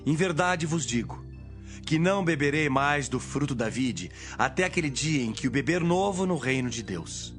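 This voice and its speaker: A man playing Jesus in a dramatised Bible reading, a solemn, authoritative teacher speaking in measured declamation. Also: fairly high pitch, animated, fairly bright tone, faint music behind. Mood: grave, prophetic.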